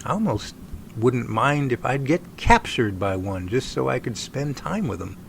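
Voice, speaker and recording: A male actor as a friendly, keen field researcher in a radio drama. His medium-pitched voice has a lot of creak, and he chats eagerly over some background noise. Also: lively intonation, measured pace. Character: eager, friendly Sasquatch researcher named Jerry. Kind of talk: amateur audio drama acting.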